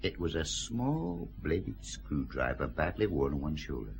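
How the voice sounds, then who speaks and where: An actor playing a dry, self-satisfied police forensic scientist explaining evidence in a radio drama. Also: male voice, extremely low pitch, wildly swooping pitch, measured pace, gravelly, exaggerated voice. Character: wry Glasgow police forensic scientist, pleased with himself.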